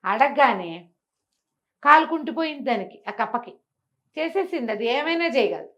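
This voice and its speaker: A woman telling a bedtime folk tale in a conversational, animated way, often repeating phrases and acting out dialogue. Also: sits high, normal speed, dull audio. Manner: conversational, with repetition and acted dialogue. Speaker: storyteller.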